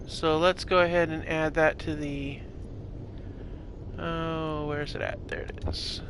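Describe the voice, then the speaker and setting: A man's voice: fairly high pitch, little pitch movement, slow, noisy background. A congested man with a nasal sound, casually thinking aloud and muttering as he plays a game. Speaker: let's play gamer. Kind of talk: casual gameplay commentary.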